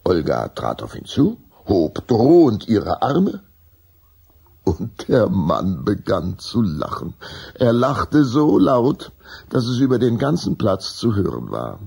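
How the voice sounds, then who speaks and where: A man narrating a children's radio play as a suspenseful, deliberate storyteller. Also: lowish voice, huge pitch swings, vocal fry, a little mellow, slightly rough.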